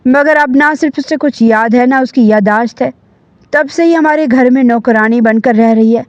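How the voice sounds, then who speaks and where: A woman's voice: a little high, no room sound, lightly acted. A scornful middle-aged mother snaps and scolds in a storybook reading, voiced by a woman narrator. The sound is close and dry. It is a little dull. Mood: scolding. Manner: scolding, harsh.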